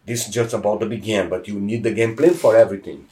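A man's voice: on the low side, fairly even intonation, quick pace, mellow, recorded from a distance. A middle-aged Brazilian man, a jiu-jitsu black belt, telling stories in emphatic, broken English with a heavy Brazilian accent. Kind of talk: casual interview.

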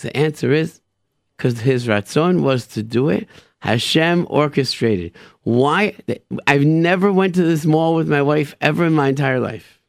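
A man's voice: fairly high pitch, unhurried, vocal fry, dry recording, studio quality. A man hosting a radio show, telling personal religious stories informally and emphatically, repeating phrases and sprinkling in Hebrew and Yiddish expressions.

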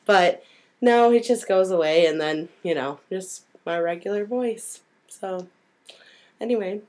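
A young woman with a hoarse voice from a cold, co-hosting a casual chat and laughing often. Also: mid-range voice, a little slow, darkish tone. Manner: giggly, trailing off. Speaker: podcast co-host.

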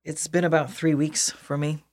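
A man's voice: fairly high pitch, little pitch movement, moderate pace, dry recording, clean studio sound, close to an everyday voice. Earnest, conciliatory brother, played by a man. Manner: polite, conciliatory. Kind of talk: audio drama acting.

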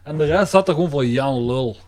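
Dude, casual horror chat, bit high-pitched, blunt and wry. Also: male voice, a little fast, over a noisy crowd.

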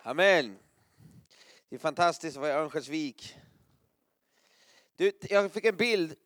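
Man, preacher, lively storytelling sermon, sound effects, fairly high voice. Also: a faint crowd. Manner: animated, vivid, makes sound effects and laughs often.

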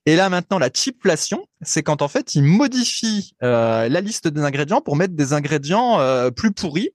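Man, podcast co-host, slightly high voice, talkative explainer, dry close-miked sound. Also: sing-song, moderate pace, no room sound. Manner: chatty, explanatory, laughs easily. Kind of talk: casual chat.

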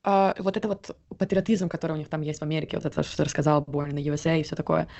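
A woman hosting a podcast, asking brisk follow-up questions in a casual interview. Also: low-pitched, fairly even intonation, gravelly, mellow, highs cut off. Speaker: podcast host.

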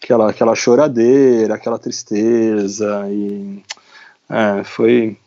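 A man with a Brazilian Portuguese accent, a guest on a podcast, casually telling a story from his bicycle travels, animated and full of slang fillers. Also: fairly low pitch, takes it slowly, dull audio.

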